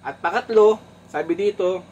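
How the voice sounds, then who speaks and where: A man's voice: normal speed, darkish tone, dull audio, slight background noise. A man from the Philippines preaching in a church, teaching point by point, mixing in English phrases and often asking the congregation "Amen?". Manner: teaching tone, rising on numbered points and dropping low on asides. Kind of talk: sermon.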